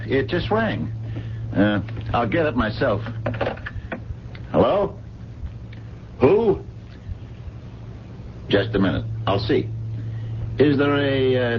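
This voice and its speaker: An American man acting in a 1970s radio drama as a wry, probing man with a dry, sardonic, deliberate manner. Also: mid-range voice, very animated. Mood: needling. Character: wry, probing man at odds with his woman companion. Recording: dull, noisy 1970s radio recording.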